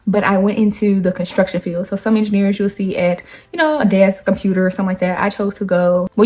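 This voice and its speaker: A woman's voice: mid-range voice, a little mellow. Chatty young woman vlogging. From Nashville, Tennessee. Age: 20s. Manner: chatty, laughs often, slangy asides to viewers. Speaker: YouTuber. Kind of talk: casual get-to-know-me chat.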